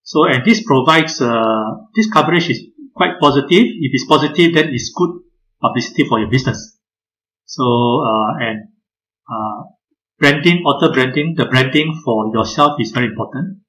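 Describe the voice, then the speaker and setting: Older man giving a measured webinar talk, lots of uhs, video call audio with faint noise. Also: medium pitch, expressive, fairly bright tone, low-quality recording. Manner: measured, many filler uhs, addresses the audience directly. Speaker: speaker presenting a talk on book publishing. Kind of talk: webinar presentation.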